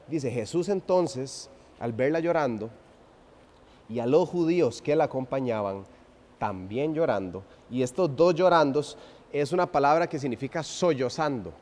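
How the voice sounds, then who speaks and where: A man preaching an expository sermon, swinging from loud emphasis to hushed, drawn-out phrases and asking the congregation rhetorical questions. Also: medium pitch. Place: church sanctuary. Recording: long reverb of a church hall.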